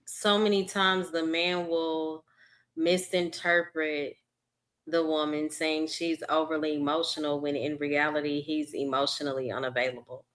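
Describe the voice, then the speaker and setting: A woman hosting a casual panel discussion, earnest and quick to laugh. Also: deep voice, level tone, fairly bright tone. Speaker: host.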